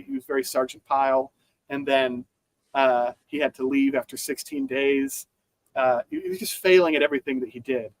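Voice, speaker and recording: A man's voice: a little high, no echo, low-quality recording. A man co-hosting a podcast, talking through news in a rambling casual way with many fillers and restarts. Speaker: podcast co-host.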